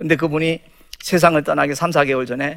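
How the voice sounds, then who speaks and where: His voice sits fairly high in pitch. The man speaks at a moderate pace. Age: 60s. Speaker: pastor and taxi driver. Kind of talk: testimony.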